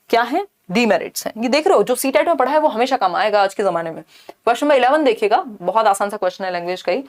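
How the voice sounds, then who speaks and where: Woman teaching an exam-prep lesson. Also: a little high. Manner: explains step by step, mixing in English terms; asks rhetorical questions and checks in with "thik hai".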